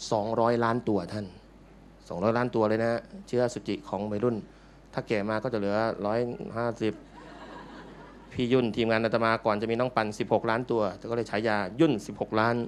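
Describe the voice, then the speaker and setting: A man's voice: medium pitch, slight background noise. Joking male monk giving a dharma talk. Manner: joking, playful, teasing the audience. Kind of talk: humorous dharma talk to an audience. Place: large meeting hall with live audience.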